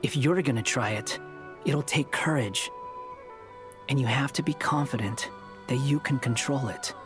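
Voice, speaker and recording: A man's voice: medium pitch, unhurried, over music, lightly acted. A man playing a blunt, skeptical companion. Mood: stern. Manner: blunt, challenging.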